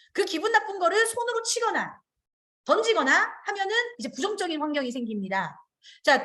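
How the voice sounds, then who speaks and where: A middle-aged woman, a former kindergarten director, giving an online training lecture to teachers, acting out what children and teachers say. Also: high-pitched. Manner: animated, acts out children's and teachers' lines. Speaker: early childhood education trainer.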